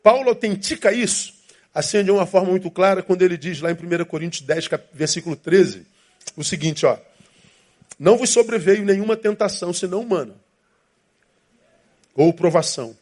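A man's voice: sits high, fairly quick, long pauses, darkish tone. A man preaching a sermon as pastor, with emphatic repetition and inner voices acted out.

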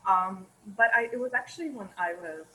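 A woman's voice: medium pitch, expressive, brisk, pushed and bright, rough recording. A young American woman telling her personal story in a casual, rambling and reflective way. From United States. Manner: rambling, reflective, many "you know" fillers.

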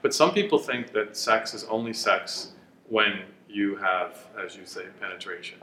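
A man's voice: lowish voice, moderate pace, pushed and bright, reverberant, a little hiss or hum. A man in his sixties, co-creator of the podcast, talking earnestly on a panel. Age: 60s. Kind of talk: casual panel discussion.

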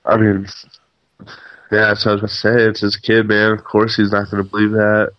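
A man's voice: fairly low pitch, monotone, normal speed, no room sound, muffled recording. A man co-hosting a casual wrestling podcast, trading dry, sarcastic jabs with the host.

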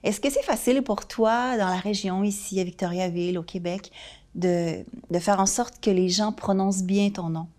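A woman, interviewing a guest and gently prompting her with short questions. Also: mid-range voice, moderate pace. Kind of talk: conversational interview.

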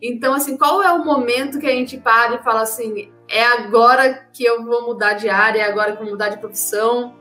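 A woman's voice: a little high, steady tone, brisk, hardly any pauses, bright, forceful tone, faint music behind. Chatty woman co-hosting a podcast. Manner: chatty, asks long rambling questions. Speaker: podcast co-host. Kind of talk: casual podcast interviewing.

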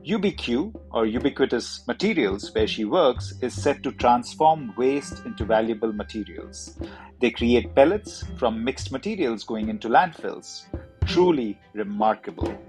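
A man's voice: mid-range voice, expressive, measured pace, faint music behind. A man hosting a podcast, reading an upbeat introduction and then asking enthusiastic interview questions. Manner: warm greeting, upbeat and enthusiastic. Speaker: podcast host.

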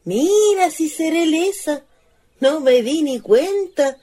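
An actress playing a chatty, wistful old spinster ghost in a radio play, with a rural Chilean accent and a folksy, exclaiming way of talking. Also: female voice, high-pitched, animated, slow, mellow. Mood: wistful, eager. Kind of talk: stage-style radio play acting.

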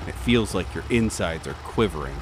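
A man's voice: sits low, animated, normal speed, soft background music. A man narrating a tabletop horror game dramatically in the second person as game master.

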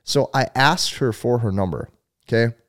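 A man's voice: mid-range voice, moderate pace. A young man giving dating advice straight to the viewer, emphatic and blunt, with casual swearing and points counted off as A, B, C. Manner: casual profanity and many restarts. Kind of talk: direct-to-camera advice monologue.

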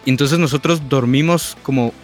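A man calmly recounting details of a band trip in casual talk. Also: mid-range voice, moderate pace, soft background music. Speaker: podcast co-host. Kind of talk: casual chat.

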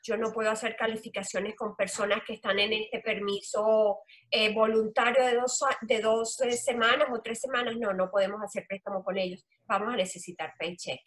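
A middle-aged woman from Colombia with a strong Caribbean coast accent, explaining her work as a loan officer in an interview, earnest and filling pauses with "eh". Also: medium pitch, fairly even intonation, fairly bright tone. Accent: Colombian Caribbean coast Spanish. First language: Spanish. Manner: earnest, explanatory, with frequent "eh" fillers. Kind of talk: interview answers.

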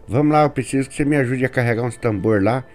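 A man's voice: mid-range voice, fast talker, darkish tone, slight background noise, lightly acted. A man voicing a blunt older rural landowner who keeps pressing with raised, urging questions.

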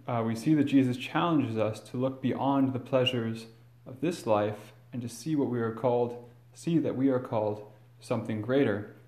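Priest guy giving a homily, earnest and measured, mid-pitched voice, big cathedral echo all around. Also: warm tone. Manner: measured, earnest preaching with some fillers and restarts. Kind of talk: gospel reading and homily. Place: large church.

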